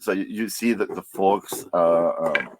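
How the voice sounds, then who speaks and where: A man's voice: sits low, measured pace, background noise. A man from Germany with a German accent touched by Australian, chatting as a podcast guest in a self-deprecating way over a remote call. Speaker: guest slingshot maker. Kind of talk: casual podcast interview.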